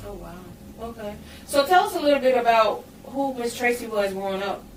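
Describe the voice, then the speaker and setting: A woman's voice: a little high, a little fast, recorded from a distance. Roomy off-mic woman hosting an interview. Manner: affirming, frequent backchannels. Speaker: podcast host. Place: podcast studio. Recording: roomy, off-mic with faint hiss.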